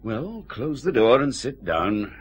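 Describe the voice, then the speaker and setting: An actor playing a weary, sardonic senior police chief in a radio drama, grumbling with dry authority. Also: male voice, mid-range voice, big pitch swings, takes it slowly, a little hiss or hum. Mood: stern. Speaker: head of CID, senior police officer.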